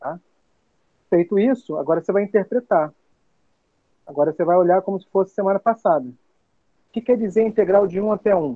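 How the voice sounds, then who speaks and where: Speaking at a fairly quick pace with high pitch, a man leaves long, frequent pauses. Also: ordinary pitch variation. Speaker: math tutor. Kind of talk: online tutoring lecture.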